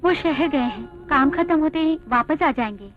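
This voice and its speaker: An actress dubbing a wise elder sister-in-law who speaks earnestly and persuasively. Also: female voice, high voice, lively intonation, normal speed. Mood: gentle. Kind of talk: Hindi film dubbing. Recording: tinny narrow film audio.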